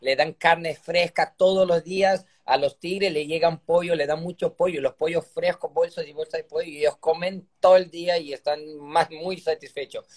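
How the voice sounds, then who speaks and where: In his thirties and speaking with a Brazilian Portuguese accent, this circus performer joins a casual live-stream interview by phone video call from his room at home. His voice sits a little high, with fairly even intonation, a moderate pace, and few pauses. He's cheerful and chatty, and he keeps asking "me entiendes?"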